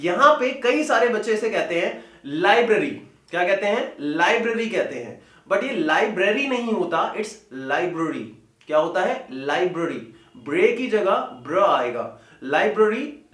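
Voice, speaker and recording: High-voiced man teaching English, echoey room. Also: a bit bright. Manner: repeats each word slowly, asks and answers his own questions. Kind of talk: spoken language lesson.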